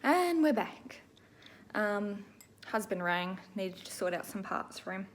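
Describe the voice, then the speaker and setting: A middle-aged woman with an Australian accent talks informally to her viewers at a medium pitch. She rambles along in a self-deprecating, chatty style. There is some noticeable ambient noise behind her. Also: expressive, slow. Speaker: crafting video host. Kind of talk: casual chat to viewers.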